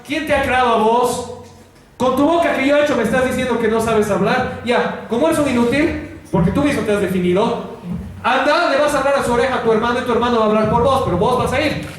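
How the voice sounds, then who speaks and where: A man's voice: very high voice, fast. A man voicing God as a stern, scolding male figure. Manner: scolding, firm. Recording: echoey hall from far off.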